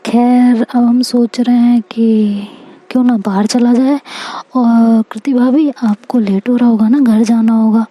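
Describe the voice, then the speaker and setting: A chatty woman tells her own story with playful drama, her voice pitched fairly high. The tone is mellow and soft rather than bright. She leans into each twist of the tale. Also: dry recording, rough recording. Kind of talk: casual first-person story narration.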